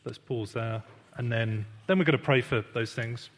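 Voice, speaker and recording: A man's voice: mid-range voice, normal speed. A man giving a conversational church teaching talk, self-deprecating and full of fillers. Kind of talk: sermon-style teaching talk. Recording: long hall reverb.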